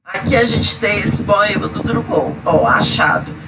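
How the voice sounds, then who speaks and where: A man with a stuffy nose teaching a recorded grammar lesson, listing word examples slowly with frequent fillers. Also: extremely low pitch, huge pitch swings. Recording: loud background noise.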